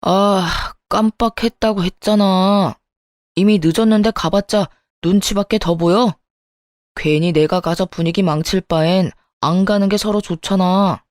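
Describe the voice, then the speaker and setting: A woman's voice: medium pitch, measured pace, darkish tone, no echo, clean studio sound, natural voice. A woman voicing an arrogant doctor husband who talks down to his wife and brushes off her complaints. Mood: dismissive. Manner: condescending, nagging, brushing off complaints. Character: arrogant dismissive doctor husband, adult man. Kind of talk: Korean story radio reading.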